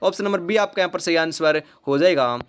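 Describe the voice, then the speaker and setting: A man's voice: a little high, a little fast, fairly bright tone, clean tone. A man running an online exam quiz class from a rooftop, reading each question and its options and then repeating the answer and the option number as he calls his viewers brother and friends. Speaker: quiz teacher. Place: rooftop, outdoors in early morning. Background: animal and bird sounds.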